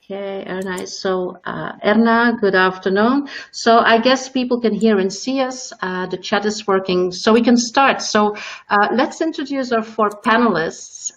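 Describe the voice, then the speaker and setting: A woman's voice: mid-range voice, a little slow. A woman moderating an informal live webinar, handing the floor to panelists.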